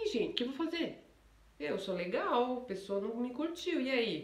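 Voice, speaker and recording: With a Minas Gerais accent, the speaker sounds animated at a moderate pace, using very wide pitch swings amid noticeable background noise and audible room echo. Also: woman. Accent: Brazilian (mineiro). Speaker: psychologist. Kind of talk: vlog talk on psychology.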